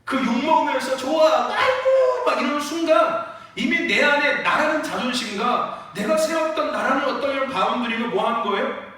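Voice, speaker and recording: A man preaching a sermon in a church, animated, often rising to shouts and calling for amens. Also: very high-pitched, moderate pace. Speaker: pastor. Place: church sanctuary. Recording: echoey church hall from far off.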